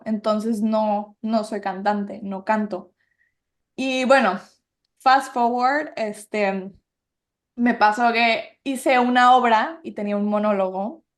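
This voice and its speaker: A young woman with a Mexican Spanish accent talks as a podcast guest, animated and chatty. Her voice sits a bit high, and she leans on fillers as she tells her stories. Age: young adult. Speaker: guest actress. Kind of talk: casual podcast chat.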